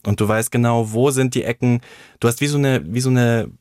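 A man's voice: medium pitch, fairly even intonation, brisk, darkish tone, no room sound, clean studio sound. Reflective man telling personal stories. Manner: reflective, tells stories with acted-out quotes. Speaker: actor. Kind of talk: candid personal conversation.

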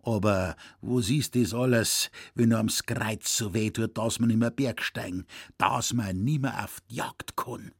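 A man's voice: lowish voice, measured pace, breathy edge, dry recording, studio quality. Man doing a lamenting old Bavarian hunter. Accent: Bavarian dialect. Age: older. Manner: complaining, then effusive and excited.

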